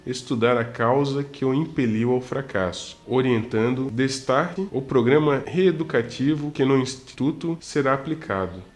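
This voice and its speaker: A man's voice: mid-range voice, close to an everyday voice. A man playing a grave priestly spirit mentor. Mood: grave, instructive. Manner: measured, grave, explanatory. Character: solemn male spirit mentor, a priest, calm and instructive. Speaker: mentor character. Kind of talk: radio drama acting.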